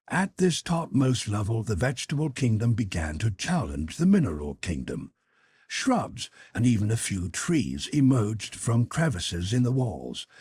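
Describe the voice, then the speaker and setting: A man narrating a literary audiobook in a measured, expressive storytelling manner. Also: lowish voice, husky, dry recording, clean studio sound.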